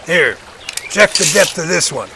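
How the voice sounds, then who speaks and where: A man acting as a confident, methodical professor in an audio drama, explaining things precisely and deliberately. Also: a little high, very animated, bright, forceful tone, slight background noise, heavily acted. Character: confident, methodical male professor tracking a sasquatch.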